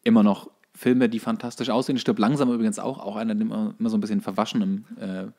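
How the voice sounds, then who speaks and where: A man's voice: on the low side, flat delivery, fast, a little mellow. A man chatting casually about films as the co-host of a podcast. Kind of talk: casual film chat.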